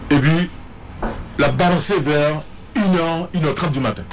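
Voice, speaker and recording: A man's voice: fairly high pitch, measured pace, a little hiss or hum. A man with a Haitian French accent giving a dramatic, repetitive eyewitness account, imitating the sounds he heard. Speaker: guest commentator.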